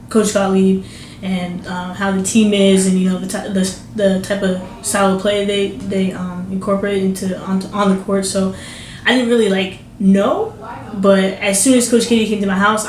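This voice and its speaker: A woman's voice: medium pitch, a little mellow, a little hiss or hum. Young woman, rambling in an echoey room. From New Jersey. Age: young adult. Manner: rambling, many fillers and restarts. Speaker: basketball recruit. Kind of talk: casual interview.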